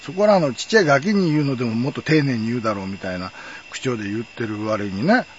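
A man's voice: medium pitch, fast talker, lo-fi sound, a little hiss or hum. A middle-aged man telling a personal story in a wry, chatty way. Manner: wry, chatty, lively intonation. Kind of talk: casual storytelling monologue.

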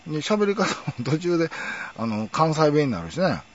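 A man's voice: a little high, very animated, moderate pace. A middle-aged man with a Kansai accent, reminiscing in a rambling casual monologue with chuckling asides. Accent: Kansai Japanese. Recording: dull lo-fi recording.

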